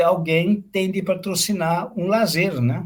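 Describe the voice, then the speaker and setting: A man's fairly high voice at a fairly slow pace. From Brazil, interior of São Paulo state. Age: 70s. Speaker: agronomy professor and researcher. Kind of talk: interview testimony. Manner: hesitant, many fillers.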